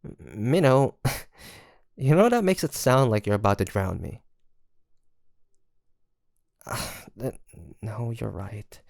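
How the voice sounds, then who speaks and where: This take of the flustered, teasing pirate captain sounds resigned and soft, still halting and full of sighs and gentle laughter in the ASMR roleplay. The voice is gravelly and medium-pitched with lively intonation, recorded in a studio with no echo.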